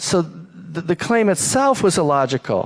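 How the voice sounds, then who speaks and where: This is a man speaking. His voice has very wide pitch swings. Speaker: panelist, social scientist researching vaccine injury. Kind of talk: panel presentation. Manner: soft-spoken.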